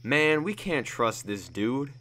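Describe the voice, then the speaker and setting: A man's voice: lowish voice, fairly even intonation, normal speed, a bit bright, smooth, lightly acted. A man voicing a ruthless young male gang member who speaks bluntly and angrily. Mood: outraged. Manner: outraged, blunt.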